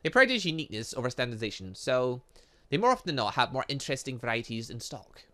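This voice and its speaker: A man voicing a refined young heiress in a visual novel, reading her formal lines in a measured, slightly halting way. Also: mid-range voice, very animated, a bit bright. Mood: earnest, absorbed. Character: refined, prim young heiress, earnest about her passion.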